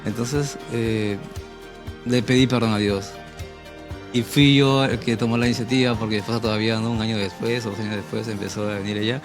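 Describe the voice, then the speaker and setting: A man's voice: on the low side, fairly even intonation, brisk, over music. A man from Peru giving an earnest, emotional personal testimony on a Christian talk show and acting out his own prayers. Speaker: guest sharing testimony.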